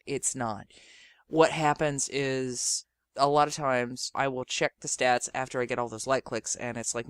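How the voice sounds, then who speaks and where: A man's voice: medium pitch, dry recording. A man hosting a podcast, talking informally and directly to listeners in an earnest, emphatic, rambling way. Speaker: podcast and radio drama host.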